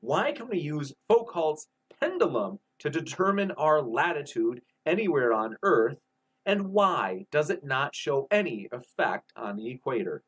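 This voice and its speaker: A man hosts a live debate show and reads out viewer messages in a friendly, easygoing way. His voice sits a little high, and he comments casually between the questions. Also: very animated, unhurried, a bit bright, husky. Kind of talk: reading viewer chat questions.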